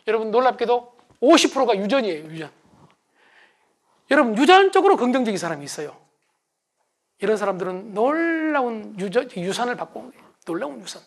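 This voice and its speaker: A middle-aged man giving a motivational lecture to an audience, acting out quarrels in a raised voice. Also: very high-pitched. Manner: animated, acts out quarrels in raised voice.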